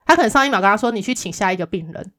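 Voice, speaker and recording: Quick-talking woman telling a story. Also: medium pitch. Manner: lively storyteller, acts out the other people's replies. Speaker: podcast co-host. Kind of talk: casual chat, telling a work story.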